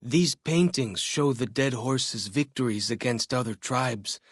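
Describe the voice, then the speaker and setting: A young tribal scout guiding a traveler in a video game. He is friendly and full of curiosity, with folksy, chatty phrasing. The voice is mid-pitched and a touch husky, recorded dry and close. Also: measured pace, no room sound. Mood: informative, easygoing. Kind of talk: video game companion dialogue.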